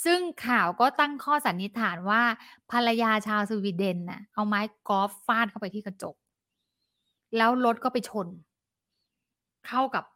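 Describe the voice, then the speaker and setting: A woman's voice: mid-range voice, lively intonation, moderate pace, sharp tone. A woman telling a celebrity gossip story in a dramatic, chatty way, acting out the quoted lines.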